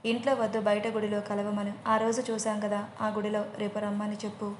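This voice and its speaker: A woman's voice: mid-range voice, completely flat delivery, a little fast, roomy sound, slight background noise, natural voice. A woman doing a firm old grandmother.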